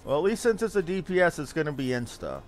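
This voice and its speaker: A man's voice: fairly high pitch, very animated, fast talker, soft background music. A man giving casual live commentary as he streams a game, reading on-screen text aloud and swearing mildly.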